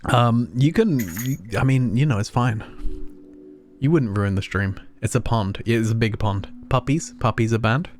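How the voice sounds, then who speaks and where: A man hosting a gaming stream, rambling and teasing his chat. His pitch sits in a middle range, and faint game music plays behind him. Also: moderate pace, darkish tone. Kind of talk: casual live-stream chat.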